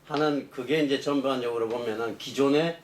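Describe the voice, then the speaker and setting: A man's voice: medium pitch, fairly even intonation, a little fast, echoey room, slight background noise. A middle-aged man, an engineering professor, answering interview questions in long explanations full of fillers and restarts.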